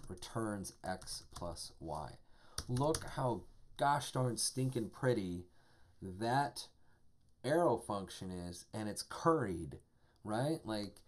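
A man with a somewhat low voice talks through code on a live stream. He is casual and enthusiastic, full of "like" and "um." Keyboard typing clicks in the background. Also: a little mellow. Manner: casual, enthusiastic, chatty with filler words. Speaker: programming instructor. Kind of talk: live-streamed coding lesson.

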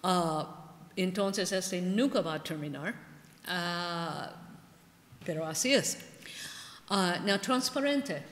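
An older woman whose first language is English, giving an academic lecture in halting speech with frequent "ah" and "ok". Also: lowish voice, lively intonation. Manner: halting, frequent "ah" and "ok", gestures widely. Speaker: linguist giving a conference talk. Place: large ornate conference hall. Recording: echoey hall with long reverb.

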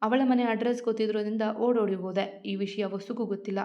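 A woman's voice: medium pitch, steady tone, quick pace, lightly acted. A woman voicing a proud, short-tempered young husband who recounts a painful past, sorrowful and close to tears. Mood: grieving. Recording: muffled lo-fi recording.

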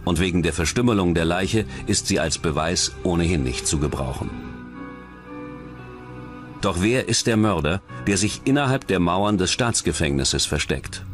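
A man reading scripted true-crime documentary narration in a measured, serious manner. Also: deep voice, lively intonation, music in the background.

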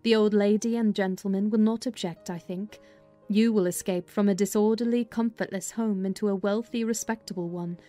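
Woman as a mellow, sensible servant woman. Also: medium pitch, fairly even intonation, normal speed, close to an everyday voice. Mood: dry, questioning. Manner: practical, chiding. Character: sensible, skeptical servant woman advising her young mistress. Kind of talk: dramatized audiobook acting. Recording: music under the voice.

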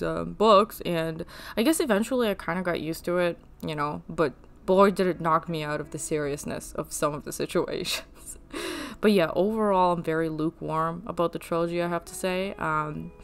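A young woman whose first language is Russian, rambling chattily in a casual voice-over while she draws, with fillers and laughs. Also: lowish voice. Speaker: art channel host.

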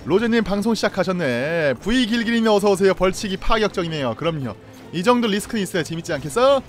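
A young man streaming a game live, reacting loudly, laughing and greeting viewers. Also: sits high, expressive, quick pace, soft background music.

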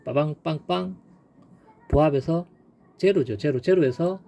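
A man's voice: medium pitch, fairly quick, dark tone, breathy edge. A man teaching stock chart trading in a casual, emphatic way, repeating key points and punctuating them with sound effects. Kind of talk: casual screen-share chart lesson.

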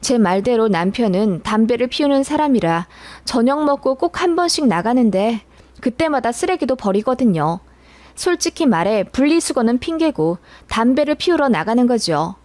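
Story narrator: woman, fairly high voice, even confiding read, dry close studio sound. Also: normal speed, no room sound.

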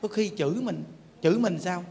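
A man's voice: sits high, moderate pace, gravelly, mellow. A man with a Southern Vietnamese accent, a Buddhist monk giving a sermon in a colloquial, joking way and often asking his listeners questions. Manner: colloquial and joking, peppers talk with questions to the audience. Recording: long hall reverb, faint background noise.

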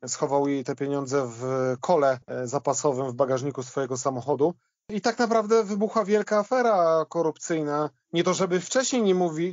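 Man, slightly high voice, casual football podcast talk, halting reflective delivery, dry sound. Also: a little mellow, no echo, lo-fi sound.

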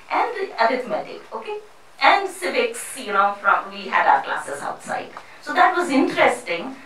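A middle-aged woman from India speaking on a panel in a seminar room into a handheld mic, halting and earnest with many restarts. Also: mid-range voice, fairly bright tone, a little hiss or hum. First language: not Hindi; English not first language. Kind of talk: public talk at a panel. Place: seminar room with a panel seated before a screen. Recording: echoey room picked up from a distance.

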